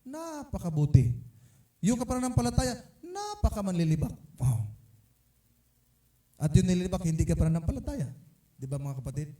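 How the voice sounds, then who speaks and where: A man preaching a sermon, telling a story with animated, sudden loud emphasis. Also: sits high, moderate pace, long pauses. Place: church hall. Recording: echoey church room from far off.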